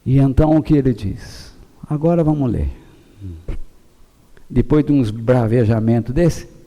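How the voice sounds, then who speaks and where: A middle-aged man with a Brazilian Portuguese accent, preaching a passionate sermon as pastor, shouting at peaks and then dropping low and calm. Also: a little slow.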